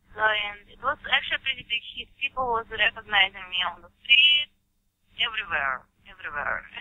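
A woman with a Russian accent talks at a fairly quick pace and a fairly high pitch, with very wide pitch swings and big swings in loudness. The sound is dry with no echo, over a quiet background. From Uzbekistan. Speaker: model and actress. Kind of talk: interview. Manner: halting. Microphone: phone line.

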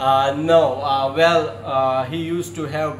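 Light background noise and audible room echo accompany a man speaking with fairly even intonation. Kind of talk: interview answer. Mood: friendly, smiling. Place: kitchen. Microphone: phone near.

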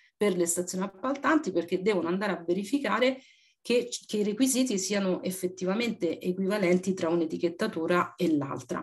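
The woman has a plain, everyday voice at a medium pitch. Her intonation is lively. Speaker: sustainability project manager, trainer. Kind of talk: webinar lecture. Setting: video call.

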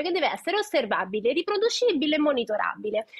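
Over noticeable background noise, the voice races at a very fast pace with very wide swings in pitch. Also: woman. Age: 30s. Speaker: nutritionist. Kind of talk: casual chat.

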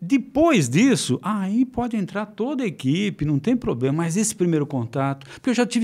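Against a quiet background, a man speaks at a moderate pace with hardly any pauses. His tone is dark and mellow, and his pitch swings very widely. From Brazil, São Paulo (Mooca); São Paulo, Brazil. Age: 60s. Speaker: film director; guest. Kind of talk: podcast interview. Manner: animated. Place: studio. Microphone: studio mic.

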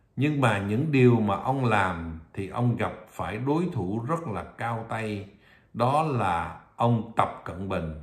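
Very slow and somewhat breathy, the voice has lively intonation and audible room echo. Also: man. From Vietnam. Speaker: political commentator. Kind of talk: solo political commentary monologue. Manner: formal. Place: home room. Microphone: phone near.

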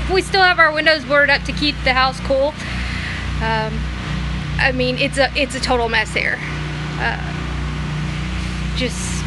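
Against loud background noise, a woman talks at a moderate pace with long, frequent pauses. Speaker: vlogger. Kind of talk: casual vlog chat. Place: street.

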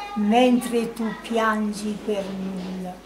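Speaking at a very slow pace, a woman with a fairly high pitch is heard over noticeable background noise. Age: 80s+. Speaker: reciting a poem. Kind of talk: poetry reading.

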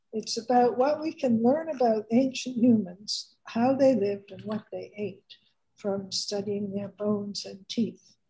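A woman's dark, mellow tone, somewhat breathy, with ordinary pitch variation. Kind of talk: introduction of a guest speaker. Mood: warm, friendly. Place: home room. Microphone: video call.

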